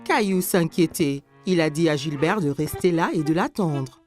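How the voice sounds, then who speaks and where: A woman narrating a scripted story for young children in a clear storytelling manner. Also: deep voice, moderate pace, darkish tone, faint music behind.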